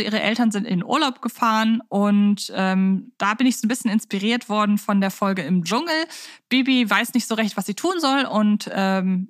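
A woman's voice: mid-range voice, no room sound, studio quality. A woman co-hosting a podcast in a casual, chatty and enthusiastic way. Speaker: podcast co-host. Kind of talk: casual fan podcast chat.

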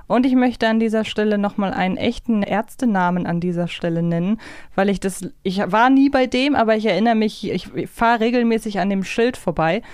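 A woman's voice: medium pitch, fairly quick, darkish tone, clear, resonant tone, no echo, clean studio sound. A woman chatting casually as a podcast co-host, thoughtful and sometimes searching for her words. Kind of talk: casual chat about an audio drama series.

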